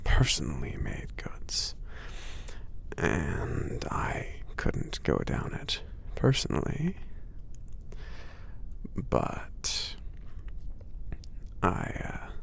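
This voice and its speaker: A man playing a gentle, friendly giant in a soft-spoken ASMR roleplay, shy, polite and hesitant, with a breathy, husky murmur. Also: rumbling low, wildly swooping pitch, heavily acted. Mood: gentle, reminiscing. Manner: hesitant, murmuring, halting with many soft pauses.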